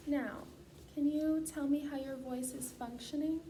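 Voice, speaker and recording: High-voiced woman, distant noisy recording. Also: fairly even intonation, a little slow, mellow. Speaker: student clinician giving a voice assessment. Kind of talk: scripted clinical instructions. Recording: distant mic, clearly noisy.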